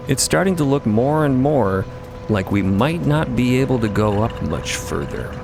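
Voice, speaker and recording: A man's voice: mid-range voice, creaky. A man narrating an adventure story for a fiction podcast, dramatically and in the present tense.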